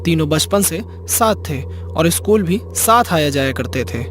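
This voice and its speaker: Casting: male storyteller for cartoon horror, fairly high voice, scripted narration over clearly audible music. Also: animated, unhurried. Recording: music behind the voice.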